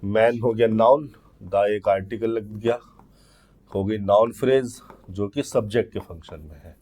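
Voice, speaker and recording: A man's voice: lowish voice, dark tone. A man giving an exam-prep grammar lesson, who explains step by step and asks and answers his own questions. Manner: slows right down to read out example sentences word by word. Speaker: English grammar teacher.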